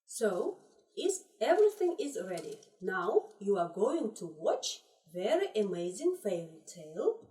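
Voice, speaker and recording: Lively woman teacher in an echoey room. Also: mid-range voice. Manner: encouraging, repeats instructions slowly in three languages. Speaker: English teacher. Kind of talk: classroom lesson for young pupils. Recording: roomy echo, distant mic.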